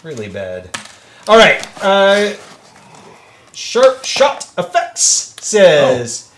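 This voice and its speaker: A man's voice: high voice, wildly swooping pitch, echoey room, slight background noise. A man guesting on a casual livestream, joking and reading out viewer comments. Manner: joking, slow and drawn-out, reads chat aloud. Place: workshop.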